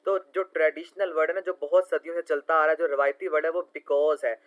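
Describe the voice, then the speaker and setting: A man's voice: a little high, level tone, a little fast, fairly bright tone, poor audio. A man, an online tutor talking through quiz answers over a screen recording, explaining patiently and spelling words out letter by letter.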